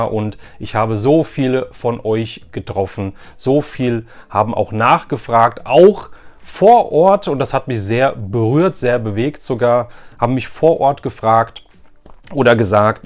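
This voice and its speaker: A male vlogger from Germany with a medium-pitched voice speaks directly to his audience. His delivery is casual and chatty, with an enthusiastic, conversational flow suited to a hobby recap video. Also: unhurried. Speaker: YouTube vlogger and toy collector.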